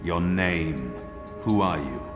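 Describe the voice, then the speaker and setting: An actor playing a stern, weary former apostle who speaks curtly and with quiet menace. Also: male voice, low-pitched, slow. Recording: roomy reverb with game music.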